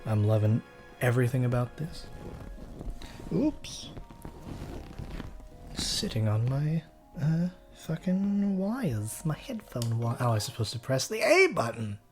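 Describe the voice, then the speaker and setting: A man's voice: medium pitch, sing-song, takes it slowly, pauses often, darkish tone, faint music behind. A man rambling casually and swearing as he records a let's play. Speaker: let's player.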